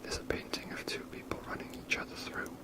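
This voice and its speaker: Whispering ASMR gamer, fully unvoiced. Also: fast. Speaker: ASMR game player and commentator. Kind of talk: whispered ASMR gameplay commentary, casual rambling.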